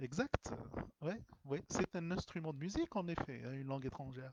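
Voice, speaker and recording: Speaking at a moderate pace, a man with a fairly high pitch is heard in a dry, close sound with no echo. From Algeria. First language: Tamazight and Arabic (speaking French). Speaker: writer and language teacher. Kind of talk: live stream Q&A reading comments. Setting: live stream. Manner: hesitant, many fillers.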